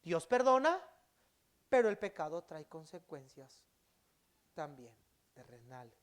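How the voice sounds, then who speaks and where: Dramatic pastor preaching. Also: male voice, big pitch swings, a little slow, smooth. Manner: dramatic, swings from loud emphatic bursts to quiet low endings; acts out quoted speech in dialogue. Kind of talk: sermon. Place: church.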